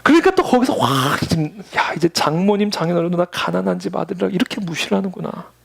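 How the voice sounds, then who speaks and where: A man's voice: sits high, expressive, fast, vocal fry, breathy edge. A man preaching a Sunday sermon as pastor, telling stories and acting out the voices of the people in them. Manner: storytelling, acts out quoted voices.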